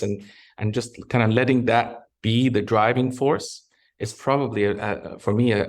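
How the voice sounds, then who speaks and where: A middle-aged man from Egypt, a pharmaceutical executive, talking in an interview in a measured, reflective way with frequent restarts. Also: on the low side. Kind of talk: interview conversation.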